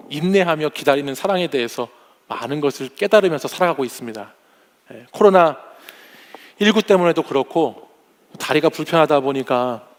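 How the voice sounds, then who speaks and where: A man in his forties preaches a sermon with a high-pitched voice. He mixes in humorous stories about his family and briefly mimics the voices of the people in them. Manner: warm storytelling with humorous anecdotes; acts out family members' voices. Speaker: pastor.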